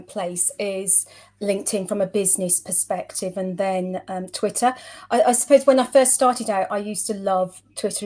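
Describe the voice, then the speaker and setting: A woman's voice: medium pitch, darkish tone. A middle-aged woman answering interview questions in a chatty, explanatory, conversational way. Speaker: interview guest, social media professional.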